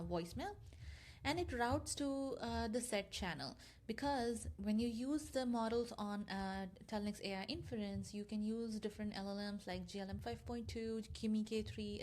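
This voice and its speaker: A woman presenting a software tutorial in a casual, explanatory screencast walkthrough style with loosely scripted delivery. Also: medium pitch.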